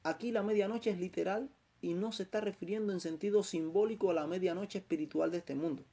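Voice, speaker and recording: Give me a man preaching a Bible lesson. His voice is gravelly and dark in tone. He speaks slowly and emphatically, repeating phrases for stress. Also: high-pitched. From Cuba. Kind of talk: Bible teaching sermon.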